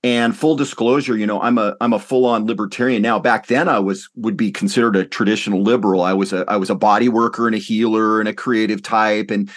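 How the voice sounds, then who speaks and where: A man's voice: on the low side, fairly even intonation, quick pace, few pauses. A man being interviewed as a podcast guest, talking casually and informally, often doubling back on his words.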